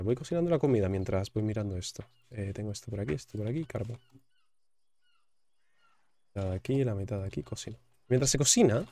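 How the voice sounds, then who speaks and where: Young man, relaxed gameplay commentary, warm darker voice, repeats himself. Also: lowish voice. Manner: chatty, repeats words, jokey asides. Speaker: gaming YouTuber.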